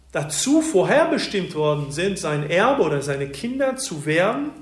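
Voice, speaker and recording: A man preaching a Bible-teaching sermon, explaining verses slowly and deliberately with occasional hesitations. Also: sits high, echoey room. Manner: slow, deliberate expository delivery with some hesitations.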